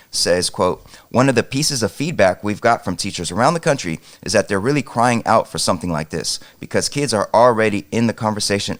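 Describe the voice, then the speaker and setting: A man co-hosting an education podcast, steering the segments and reading out news stories in an upbeat way. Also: lowish voice. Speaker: podcast co-host. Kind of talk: reading news headlines and casual chat.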